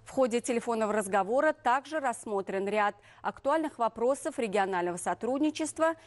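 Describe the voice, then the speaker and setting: A woman news reader delivering formal scripted news in an official, measured manner. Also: fairly high pitch, expressive.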